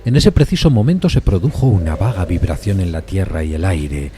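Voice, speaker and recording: Very deep-voiced man narrating a suspense tale. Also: lively intonation, dark tone, slight background noise. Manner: measured, literary storytelling. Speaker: narrator of an audio fiction adaptation. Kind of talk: scripted dramatic narration of a classic suspense tale.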